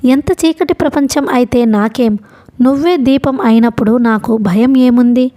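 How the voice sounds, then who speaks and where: Impulsive young woman voiced by a woman, eager, high mellow voice, audiobook. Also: normal speed, natural voice. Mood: defiant. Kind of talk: audiobook character reading.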